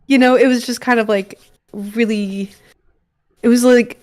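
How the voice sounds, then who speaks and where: A woman's voice: fairly high pitch, fairly even intonation, unhurried, a little mellow. A woman chatting casually as a livestream guest, with a slangy, encouraging way of talking. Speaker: livestream guest and content creator. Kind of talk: casual chat.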